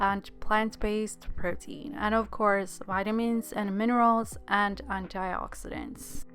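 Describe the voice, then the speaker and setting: A woman with a non-native accent speaks very slowly at a fairly high pitch. Her tone is bright and sharp, with ordinary pitch variation. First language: not English. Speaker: nutritionist and food vlogger. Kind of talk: voiceover narration of a cooking vlog. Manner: casual, self-correcting.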